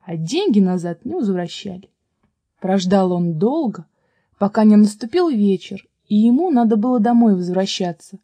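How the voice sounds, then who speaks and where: Woman calmly reading a fairy tale. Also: mid-range voice, no room sound. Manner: calm, measured reading. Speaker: storyteller.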